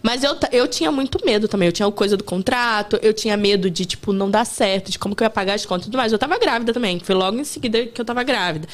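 Fast-talking chatty woman. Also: mid-range voice. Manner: chatty, candid, quick storytelling. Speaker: guest. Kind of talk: casual chat.

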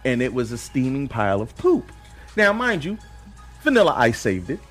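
A man's voice: mid-range voice, wildly swooping pitch, moderate pace, fairly bright tone, faint music behind. A man co-hosting a casual pop-culture podcast, joking around and laughing often. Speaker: podcast co-host.

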